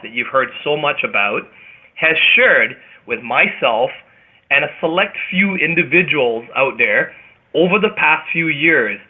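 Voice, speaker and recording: A man with a Canadian accent hosting a motivational group conference call, speaking emphatically and theatrically with dramatic pauses. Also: on the high side, breathy edge. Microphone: phone or web conference call. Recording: tinny phone-line radio sound.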